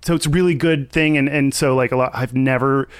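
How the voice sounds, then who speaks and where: A man's voice: medium pitch, steady tone, fairly quick, clear, resonant tone, dry recording, studio quality. A hungover man co-hosting a casual podcast chat, stammering and laughing nervously. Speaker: podcast co-host.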